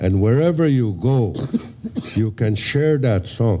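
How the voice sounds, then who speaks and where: A man speaks at a very slow pace. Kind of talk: storytelling speech to an audience. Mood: earnest, reflective. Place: hall. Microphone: podium.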